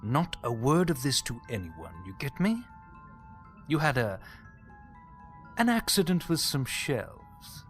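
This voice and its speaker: A menacing criminal enforcer in an audio drama. He talks slowly with lively, swinging intonation and cool threat, over prominent music. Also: mid-range voice. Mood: quiet menace. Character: menacing criminal enforcer, coolly threatening, deferential to his boss.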